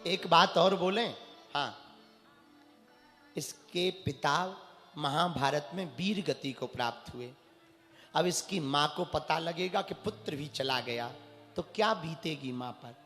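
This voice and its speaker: A man's voice: on the high side, slow, long pauses, bright, forceful tone. A man preaching a devotional sermon, telling a sacred story and voicing its characters, at times chanting Sanskrit verses. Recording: large hall with long reverb, faint music.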